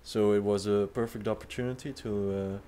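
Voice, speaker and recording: A young man with a slightly low voice hosts an unscripted chat. He rambles loosely, stacks up fillers and restarts, and swears in passing. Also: fairly even intonation, brisk, warm tone, a little hiss or hum. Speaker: host. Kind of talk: improvised casual commentary.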